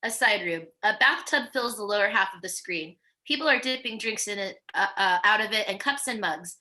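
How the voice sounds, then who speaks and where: Woman narrator, bright clear-cut tone, medium pitch, reading screenplay stage directions. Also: expressive, a little fast. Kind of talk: scripted narration at a virtual table read.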